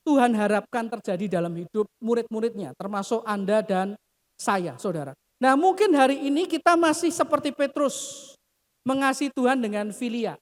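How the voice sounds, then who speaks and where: A woman pastor delivering a sermon, acting out quoted prayers and often addressing the congregation directly. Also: high voice. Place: church. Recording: reverberant church hall.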